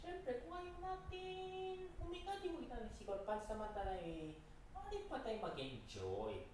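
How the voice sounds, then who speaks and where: A Filipino woman chatting casually in a halting, repetitive way, mixing Tagalog with English. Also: high-pitched, very animated. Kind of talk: casual rambling chat while driving. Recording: very echoey, distant mic, noisy background.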